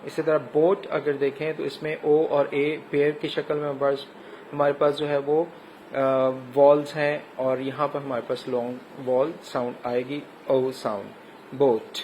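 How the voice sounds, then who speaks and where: Man, Pakistani accent, English teacher, recorded lecture, spells words, hesitant pauses, faint noise. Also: a little high, level tone, a little mellow, low-quality recording. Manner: explains step by step with frequent hesitations, spells words letter by letter.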